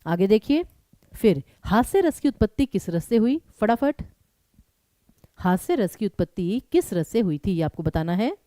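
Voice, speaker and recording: A young woman teaching a live online exam-prep class, brisk and urging students to answer quickly, mixing English words into her Hindi. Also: medium pitch, very animated, dark tone, no room sound.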